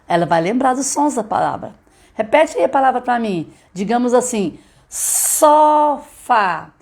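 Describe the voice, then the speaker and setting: A woman's voice: a little high, expressive, moderate pace, gravelly, a little mellow. A middle-aged woman teaching literacy in a live stream, explaining and checking in often with her listeners. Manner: explanatory, frequent checking "tá?", demonstrates letter sounds.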